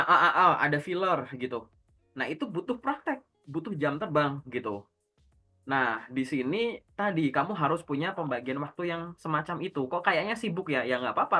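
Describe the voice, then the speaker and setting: A man with a bright, forward voice coaches someone one-on-one in a relaxed, slangy way. He fires off rhetorical questions and answers them himself. Faint music plays underneath. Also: a little high. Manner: direct, instructive, uses everyday slang. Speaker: career coach. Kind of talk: casual one-on-one coaching talk.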